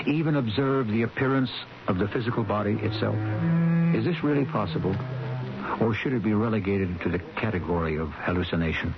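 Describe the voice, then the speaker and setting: A low-voiced man narrates as host of an old radio drama. He is solemn and deliberate, posing rhetorical questions. The recording is dull, with loud music.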